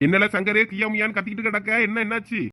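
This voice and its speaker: A man's voice: high-pitched, level tone, fast talker, sharp tone. A man voicing a blunt, scolding village boss with a Thoothukudi Tamil accent. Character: gruff older boss, scolding and stingy-minded. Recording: dull lo-fi audio.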